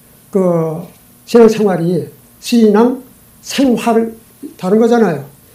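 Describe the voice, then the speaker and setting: Noticeable background noise sits behind a man's voice. He speaks at a very slow pace with ordinary pitch variation. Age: 70s. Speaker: pastor. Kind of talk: sermon. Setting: church. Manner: conversational, interactive with congregation.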